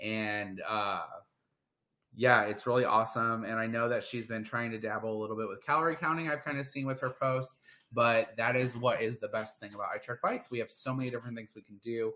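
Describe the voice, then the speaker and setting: Speaking fairly quickly with an American accent, a man uses a medium pitch and a bright, sharp tone. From US Midwest, Northwest Indiana. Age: 30s. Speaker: online weight-loss community host. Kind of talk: live stream chat. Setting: live stream on laptop. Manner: animated.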